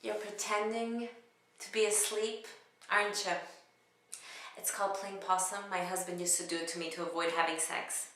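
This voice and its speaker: A woman's voice: mid-range voice, level tone, moderate pace, fairly bright tone, natural voice. A woman playing a chatty, manic runaway wife in a theatrical, rambling comedic stage monologue. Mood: teasing. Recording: echoey home room recording.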